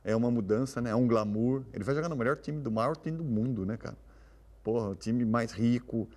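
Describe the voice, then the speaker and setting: A Brazilian man in his fifties, a football panelist and former coach, debating informally and repeating words haltingly as he argues. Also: mid-range voice, a little mellow. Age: 50s.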